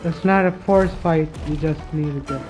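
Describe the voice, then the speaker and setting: A woman's voice: deep voice, normal speed, a little mellow, soft background music. A woman giving casual commentary as she plays a video game. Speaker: gaming video host.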